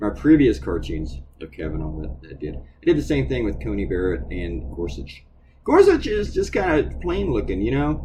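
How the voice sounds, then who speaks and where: A man is mumbling. Audible room echo surrounds his voice. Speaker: political cartoonist. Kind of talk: casual narration over time-lapse drawing.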